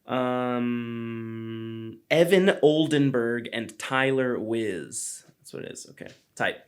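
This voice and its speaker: A male podcast host who talks loosely and rambles through his sentences. His voice sits at an everyday middle pitch. He drops casual curse words and plenty of "um"s along the way. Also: slow pace. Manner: rambling, filler-heavy, swears casually.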